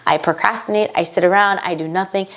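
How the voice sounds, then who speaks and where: American woman on a podcast, mid-pitched voice, talks in excited bursts and keeps adding asides. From United States. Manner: animated, emphatic, talks in quick bursts with many asides. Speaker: podcast guest, bridal fashion entrepreneur. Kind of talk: casual conversational interview.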